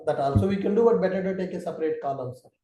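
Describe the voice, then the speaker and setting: A man's voice: high-pitched, racing, roomy sound, noisy background. A man teaching an online class as trainer, explaining patiently and step by step.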